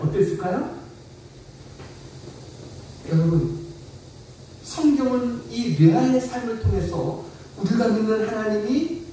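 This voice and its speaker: A male pastor with a high but mellow voice preaches as a storyteller, often putting questions to his congregation. He is recorded from a distance in a church hall with heavy reverb and a faint background hiss. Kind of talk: sermon. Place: church sanctuary. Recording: echoey church hall from far off.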